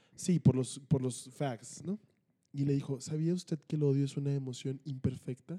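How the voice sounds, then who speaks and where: The voice has a dark, mellow tone, somewhat breathy, moving at a moderate pace with fairly even intonation in a dry, close sound with no echo. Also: man, fairly high pitch for a man. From Mexico, Hermosillo, Sonora. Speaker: comedian and photographer. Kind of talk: casual chat.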